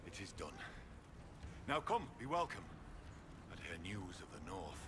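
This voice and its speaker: An actor playing a solemn male tribal mage and spiritual leader in a fantasy game, speaking in a measured, ceremonial way. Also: low-pitched, big pitch swings, noisy background. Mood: grand welcome. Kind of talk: scripted fantasy game dialogue.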